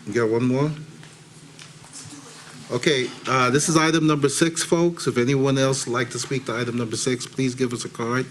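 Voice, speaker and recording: A man's voice: medium pitch, fairly even intonation, moderate pace, fairly bright tone, slight background noise. A man chairing a city council meeting, polite and a little hesitant, calling speakers and taking comments. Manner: polite, hesitant, many uhs. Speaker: vice mayor chairing the meeting.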